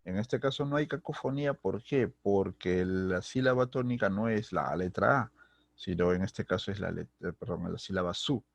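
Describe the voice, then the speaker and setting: A Peruvian man with a deep, gravelly voice and a Peruvian Spanish accent speaks at normal speed on a dry recording. Teaching a recorded secondary school grammar lesson, he explains by repeating and restating terms and checks often that students follow, frequently asking "¿sí?" and "¿listo?"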